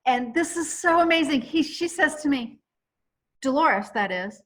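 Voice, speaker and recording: High-voiced animated woman telling a story. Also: measured pace. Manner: animated, rambling storyteller with many restarts. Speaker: host. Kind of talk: casual storytelling chat.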